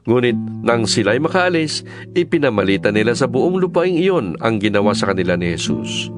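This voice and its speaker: A man's voice: medium pitch, sing-song, moderate pace, over music. A man narrating scripture as a scripted, dramatized storytelling reading.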